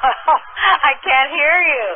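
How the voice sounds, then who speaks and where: Giggly high-voiced woman on a slow phone line. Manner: giggly, puzzled. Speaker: prank call target. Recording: tinny phone line with faint noise.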